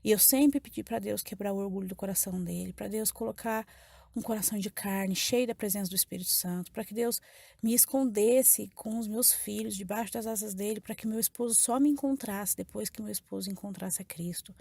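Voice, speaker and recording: Her voice is mid-range, creaky and warm, and she speaks fairly quickly in a dry recording. The woman, who has a Brazilian Portuguese accent, gives a church congregation an emotional testimony about her life, repeating phrases as she tells it.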